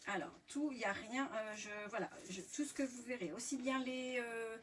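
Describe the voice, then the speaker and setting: A French woman with a fairly high voice hosts a live craft tutorial, chatting loosely with plenty of fillers and false starts. She sits a little away from the mic, and a faint hiss runs under her voice. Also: steady tone, normal speed, distant mic. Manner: chatty, many fillers and restarts. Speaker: scrapbooking workshop host.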